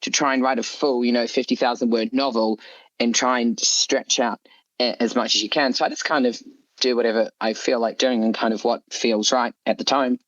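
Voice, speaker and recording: A man's voice: mid-range voice, steady tone, a little fast, a bit bright. Man as interview guest, slightly dull recording. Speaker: guest author being interviewed. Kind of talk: casual interview chat.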